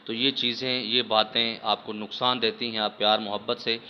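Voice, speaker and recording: A man with a low, flat voice earnestly instructs viewers in a religious talk, speaking as a spiritual healer explaining how to treat a patient. He repeatedly addresses his listeners as a respected audience; the audio has its highs cut off and a little hiss or hum.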